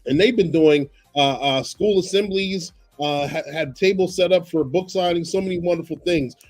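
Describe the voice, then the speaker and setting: Hoarse man hosting a live podcast. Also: high-pitched, normal speed, a little mellow, soft background music. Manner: chatty, repeats himself, coughs and apologizes. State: hoarse, getting over a cold. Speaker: podcast host. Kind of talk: live-streamed podcast intro.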